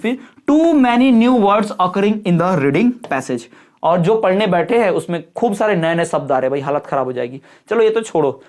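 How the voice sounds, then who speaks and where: Chatty man teaching an exam lesson. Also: high-pitched. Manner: chatty, scolding-friendly, addresses students as brother; slows down to dictate English answer lines. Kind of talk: exam-prep lecture.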